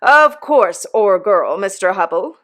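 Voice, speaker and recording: A woman's voice: medium pitch, big pitch swings, measured pace, a bit bright. A woman doing a sermonizing pompous clerk. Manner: sermonizing, self-important. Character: pompous preachy church clerk, a middle-aged man.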